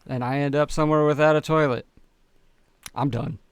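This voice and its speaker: A man's voice: on the high side, fairly even intonation, moderate pace, smooth, dry recording. A man playing a tabletop game, chatting casually and wryly as he talks through his character's thinking. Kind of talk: casual, joking game chat.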